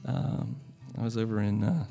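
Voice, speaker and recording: A man with a Southern US accent speaks earnestly and gently between worship songs as a guest worship leader, with frequent pauses. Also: lowish voice, creaky, faint music behind. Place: church sanctuary. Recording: long reverb from a large church hall.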